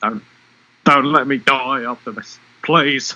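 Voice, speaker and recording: A man puts on a character voice at a medium pitch. He talks at a fairly slow pace. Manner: pleading, dying.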